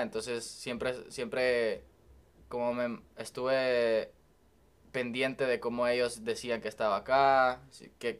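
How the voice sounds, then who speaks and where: A man's voice: medium pitch, clean tone. A man in his twenties with a Salvadoran accent, a student talking easily and reflectively as a podcast guest. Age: 20s. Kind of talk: casual podcast conversation.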